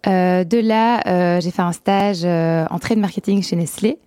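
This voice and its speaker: A soft-spoken young woman from Belgium talks about her studies and career as a guest. Her voice is low-pitched and mellow, recorded dry and close. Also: a little slow, no echo. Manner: soft-spoken, frequent "euh" fillers. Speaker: guest entrepreneur. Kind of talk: interview answers.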